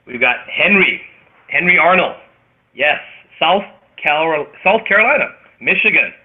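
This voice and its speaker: A man with a Canadian accent hosting a motivational group conference call, speaking emphatically and theatrically with dramatic pauses. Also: on the high side, animated, husky. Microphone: phone or web conference call. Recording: tinny phone-line radio sound.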